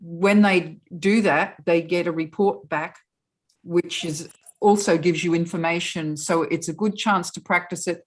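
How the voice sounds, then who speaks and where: A woman on a video call, calmly explaining how an online festival works. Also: lowish voice, a little slow. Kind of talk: online meeting discussion.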